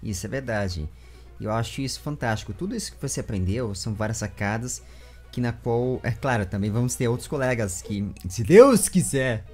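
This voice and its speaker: A Brazilian man in his twenties hosting a casual interview, speaking in a halting, rambling way into a close desk microphone. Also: mid-range voice, darkish tone, soft background music. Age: 20s. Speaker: interview host. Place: small home room with bookshelves, indoors. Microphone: large desk microphone with foam cover, close.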